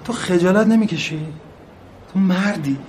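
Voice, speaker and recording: An actor playing a desperate, hot-tempered working-class husband in a film drama, shouting and pleading. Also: male voice, high-pitched, slight background noise, close to an everyday voice.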